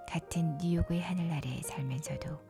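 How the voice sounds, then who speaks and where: A woman whispers a bedtime story softly and breathily, leaning into a gentle, unhurried narration with short pauses between phrases. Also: sits low, steady tone. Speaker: narrator retelling a film story for sleep. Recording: soft music behind the whispering. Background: music.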